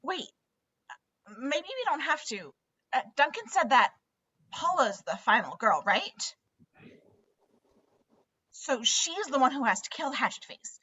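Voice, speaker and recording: An actress playing a nervous, earnest, shaken teenage girl who stammers haltingly in a horror comedy script read. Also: high voice, big pitch swings, sharp tone, heavily acted. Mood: earnest, hesitant. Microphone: video call. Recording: dull lo-fi video call audio.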